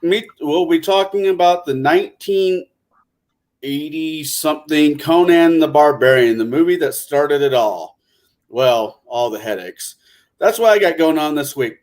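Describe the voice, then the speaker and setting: A man with a moderately high voice talks as a panel guest. His delivery is informal, loose and conversational. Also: lively intonation, measured pace, darkish tone. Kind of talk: casual chat.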